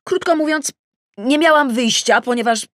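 A woman's voice: high voice, normal speed, no echo, clean studio sound, pitched above the performer's own voice, natural voice. A woman reading an audiobook, voicing a defensive, flustered middle-aged bride-to-be who bristles and exclaims as she justifies herself. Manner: emotional, exclaiming, self-justifying. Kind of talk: acted audiobook dialogue.

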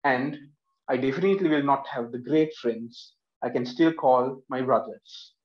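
A man's voice: mid-range voice, measured pace. A young man from Sri Lanka in his twenties, standing in his living room and giving an earnest, emphatic prepared speech while gesturing with both hands. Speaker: speech contestant. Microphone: laptop camera across the room, headphones on. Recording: echoey room, dull lo-fi sound.

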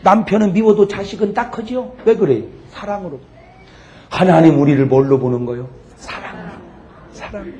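A middle-aged man preaching a humorous revival sermon to a congregation, lively and joking, swinging from loud shouts to soft asides. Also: high voice, a little fast, slight background noise. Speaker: pastor. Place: church sanctuary before a congregation.

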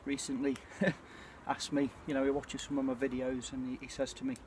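Man in his forties, British accent, casual reflective vlog, hesitant, medium pitch, outdoor campfire noise. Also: completely flat delivery, brisk, darkish tone. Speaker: bushcraft vlogger. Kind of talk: casual reflective chat to camera. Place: outdoors at night by a small campfire.

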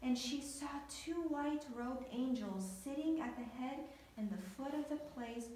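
A woman tells a Bible story to children in a slow, expressive way, asking them questions as she goes. Her voice sits high, and the church hall adds a very strong echo with faint background noise. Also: recorded from a distance.

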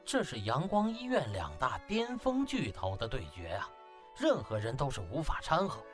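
A man's voice: mid-range voice, wildly swooping pitch, moderate pace, soft background music. A man narrating an audiobook as dramatic scripted storytelling, in a theatrical, emphatic manner.

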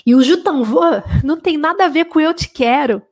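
Brazilian woman teaching French casually. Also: high-pitched. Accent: Brazilian Portuguese. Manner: casual, checks in with tag questions, slows down to model French phrases. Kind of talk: live online language lesson.

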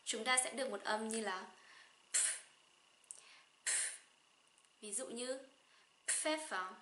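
A young woman from Vietnam with a Northern Vietnamese accent, teaching a slow pronunciation lesson and saying each example word twice. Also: on the high side, fairly even intonation, roomy sound, background noise. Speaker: German teacher.

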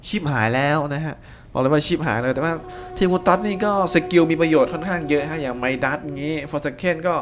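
A young man giving casual, excitable gameplay commentary and teasing his co-player. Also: on the high side, fairly quick. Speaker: game commentator. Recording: faint background noise.

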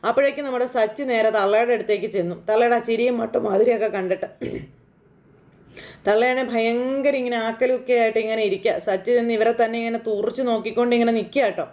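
A woman's voice: on the high side, quick pace, darkish tone. A woman casually retelling a TV serial episode in a chatty, conversational way, often turning to the listener. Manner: chatty, conversational, frequent fillers addressing the listener. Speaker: serial episode recap narrator.

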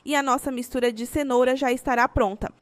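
A woman's voice: sits high, fairly even intonation, fast talker, no room sound. A woman with a Brazilian Portuguese accent, reading a scripted recipe voice-over as host.

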